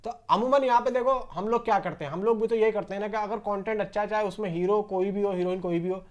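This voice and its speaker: Male film news host, high-pitched voice, casual conversational delivery, repeats points and talks straight to viewers. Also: fast. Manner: conversational, repeats himself, addresses viewers directly.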